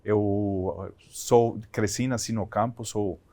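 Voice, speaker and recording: A man's voice: on the low side, fairly even intonation, slow pace, mellow. A man from Colombia, a Spanish speaker, talking conversationally as an interview guest and often restarting his phrases. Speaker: company CEO, interview guest.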